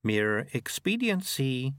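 Man playing a slow, cold, imperious inhuman overseer. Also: mid-range voice, very animated, fairly bright tone, no room sound, clean studio sound, pitched above the performer's own voice. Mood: coldly matter-of-fact. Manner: slow, deliberate, formal and demanding.

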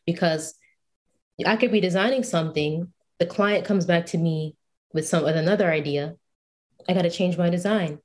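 A woman speaks as a podcast guest in an animated, emphatic manner. Her voice sits a little low for a woman. She talks in a relaxed, conversational way. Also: moderate pace. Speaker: guest, UI/UX designer and photographer. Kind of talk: casual podcast interview.

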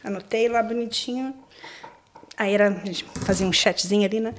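A Brazilian woman in her thirties, an exchange agent guest, telling her story in an animated, exclamatory way in casual podcast talk. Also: mid-range voice, moderate pace, slight background noise. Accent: Brazilian Portuguese.

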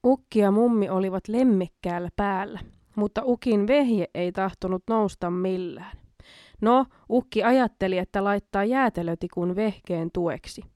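A woman's voice: mid-range voice, a little mellow. A woman hosts a casual late-night show on her own and reads jokes aloud, giggling at the punchlines. Her voice sits in a middle register. The sound is dry and close, with no room echo. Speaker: host reading listener jokes.

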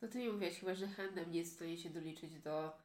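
A woman's voice: on the low side, fast talker, a little mellow. A woman podcast host talking casually, often trailing off and restarting her thoughts. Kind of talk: casual conversational interview. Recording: roomy echo.

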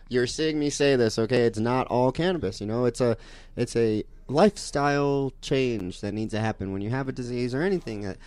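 A man's voice: mid-range voice, moderate pace, darkish tone, smooth, dry recording. A man hosting a talk show, speaking emphatically and often checking in with "you know?". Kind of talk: casual radio talk.

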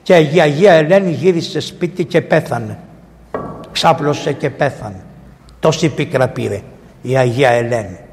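A man, a priest, giving a sermon in a church and retelling a story in lively, colloquial language. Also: on the high side. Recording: echoey church with long reverb.

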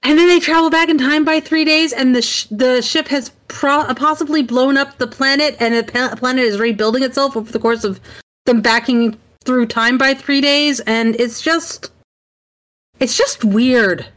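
Woman co-host, casual and animated, talks in loose restarts. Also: sits high, normal speed. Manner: rambling, self-correcting, animated. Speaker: podcast co-host. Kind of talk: casual episode recap chat.

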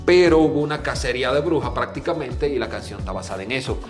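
A man from the Caribbean co-hosting a podcast, telling stories in an animated, slangy way. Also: medium pitch, quick pace. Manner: animated, slangy, acts out his own shouts. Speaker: podcast co-host. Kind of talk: casual storytelling chat. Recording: echoey room with faint music.

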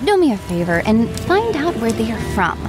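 A commanding female pirate captain, as a woman plays her, who barks orders and answers with sharp retorts. Her voice is high and lively, rising and falling. Music runs under her lines. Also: moderate pace.

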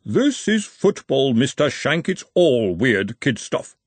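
A man's voice: mid-range voice, very animated, slow pace, breathy edge, dry recording, heavily acted. A man voicing a pompous, over-precise male referee in an audiobook. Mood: haughty.

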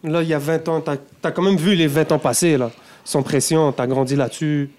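A man running a relaxed interview, his voice a little higher than most. He agrees readily and keeps the talk rolling with quick affirmations. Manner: easygoing, agreeable, short affirmations. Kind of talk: casual interview chat.

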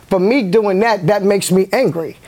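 A woman with a raspy voice, speaking bluntly as a guest on a panel talk show. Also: mid-range voice, normal speed, dark tone. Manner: blunt and outspoken.

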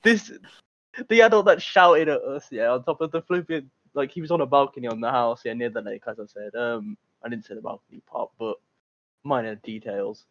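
A man's voice: mid-range voice, a little fast, fairly bright tone, dry recording, lo-fi sound. A man chatting casually as a podcast co-host, telling stories in a hesitant, rambling way with asides. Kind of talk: casual chat and storytelling.

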